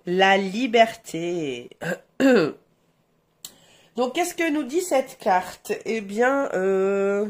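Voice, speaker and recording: Her pitch sits in the middle but swings widely as this French tarot reader, stuffy-nosed from a cold, offers a laid-back reading for her vlog. Slow and halting, she leans on many fillers and affectionately addresses her audience as her "essentiels."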